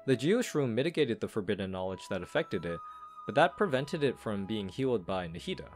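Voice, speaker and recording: Male game lore commentator, lowish pitch, animated intonation, scripted review narration, soft background music. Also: brisk.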